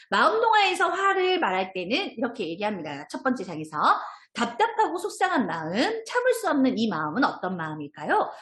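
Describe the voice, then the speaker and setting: A woman trainer speaks over a video call, walking teachers through a lesson plan. Her voice sits fairly high and swings widely in pitch as she slips into children's and teachers' lines. The sound carries a roomy echo. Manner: animated, switches into acted child and teacher voices. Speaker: instructor training preschool teachers. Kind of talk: online curriculum training lecture.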